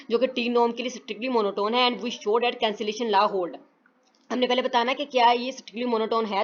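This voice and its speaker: A woman's voice: fairly high pitch, dull audio. Woman tutor talking through math proofs. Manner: halting, many fillers and self-corrections, mixes English math terms. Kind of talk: recorded lecture explaining proofs.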